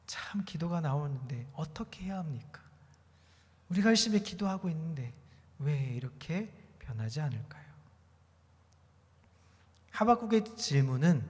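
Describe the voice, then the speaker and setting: A man preaching a sermon as pastor, earnest and measured, slowing down to stress key words. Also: high-pitched. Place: church sanctuary. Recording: church hall with long reverb.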